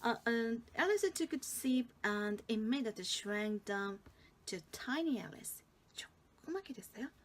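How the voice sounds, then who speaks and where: A woman's voice: on the high side, slightly rough. A woman with a Korean accent, a native Korean speaker, playfully reading a fairy tale aloud and adding asides for learners. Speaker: storytelling teacher.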